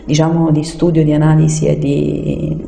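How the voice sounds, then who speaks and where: In a reverberant room, a woman speaks with a low, gravelly voice and a soft, dark tone. She is a radio guest explaining things off the cuff, often pausing to hunt for the right word. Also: level tone. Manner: explanatory, hesitant, searching for words. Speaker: studio guest explaining environmental issues. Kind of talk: unscripted radio discussion. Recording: echoey room with long reverb.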